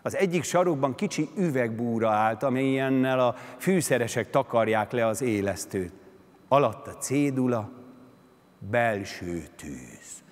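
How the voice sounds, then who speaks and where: A man giving a dramatic literary reading of a story, with expressive, sweeping intonation, on a concert hall stage. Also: medium pitch. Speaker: reciting actor.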